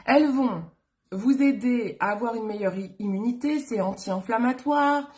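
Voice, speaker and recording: A woman's voice: fairly high pitch, normal speed, a little mellow. Chatty woman rambling during live makeup. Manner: chatty, rambling, frequent fillers and self-corrections. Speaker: beauty vlogger on a live stream. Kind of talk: casual live chat while doing makeup.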